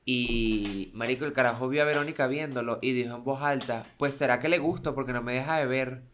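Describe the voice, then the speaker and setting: A man's voice: medium pitch, brisk, a bit bright. A man with a Venezuelan accent co-hosting a podcast, telling loose, joking stories full of slang in casual chat. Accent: Venezuelan Spanish. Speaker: podcast co-host.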